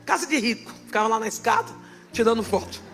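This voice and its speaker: A woman pastor giving her testimony in church, her fervent preaching swelling into loud proclaiming. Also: fairly high pitch, quick pace, faint music behind.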